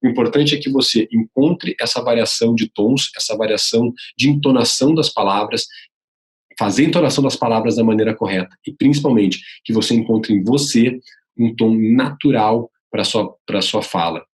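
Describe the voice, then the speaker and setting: A Brazilian man talks straight to the viewer like a coach, explaining how to vary tone when delivering news. His voice sits at a middling pitch for a man but jumps up and down as he shows examples. The delivery is informal and encouraging. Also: normal speed. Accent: Brazilian Portuguese. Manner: lively, varies pitch to demonstrate emphasis; addresses viewer directly, casual and instructive. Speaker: journalism coach. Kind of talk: vlog-style teaching on vocal technique.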